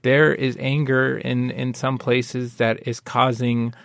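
A man from Wyoming speaking as a guest in a panel discussion, explaining his views in an earnest, measured way. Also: medium pitch, flat delivery, creaky, fairly bright tone, no echo, clean studio sound. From Wyoming, USA.

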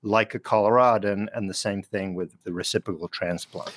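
A man who grew up in France talks as a guest biologist in a radio interview. His voice sits low, and he explains things patiently, with the odd chuckle along the way. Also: fairly even intonation, normal speed, a bit bright. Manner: thoughtful, explanatory, chuckles while talking.

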